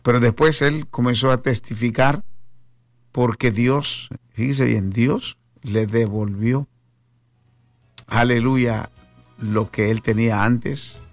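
Slow-talking Latin American radio preacher, a man. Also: mid-range voice, fairly even intonation, dry recording. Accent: Latin American Spanish. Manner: devout, punctuates talk with hallelujahs and amens. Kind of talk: devotional radio preaching and chat with callers. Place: radio studio. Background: music.

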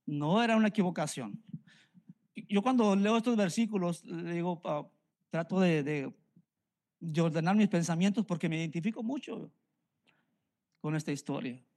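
A man's voice: high-pitched, normal speed, pauses often, a little mellow. A middle-aged man from Mexico with a Mexican Spanish accent, preaching a sermon earnestly and repeating phrases for emphasis. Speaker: pastor.

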